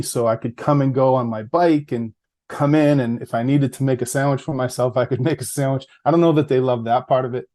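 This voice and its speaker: A man with a central Massachusetts accent talks in an unhurried, reflective way, often pausing on "um" and "you know" and breaking into soft laughs. His voice is warm and mellow at a middle pitch. He sounds like a middle-aged guest settled into a relaxed podcast conversation. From Massachusetts, USA. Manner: reflective, easygoing, with frequent fillers and soft laughs. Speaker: podcast guest, public health researcher. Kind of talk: casual interview conversation.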